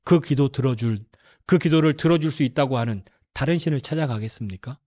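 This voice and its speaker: A man's voice: medium pitch, fairly quick, darkish tone. A man preaching a sermon as pastor, acting out God's stern words in a raised voice and asking the congregation rhetorical questions.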